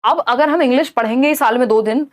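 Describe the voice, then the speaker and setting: A young woman teaching a live online exam-prep class, reading questions aloud slowly and answering viewers by name in a chatty, tired way. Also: sits high. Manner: explains in Hindi mixed with English, reads questions aloud slowly.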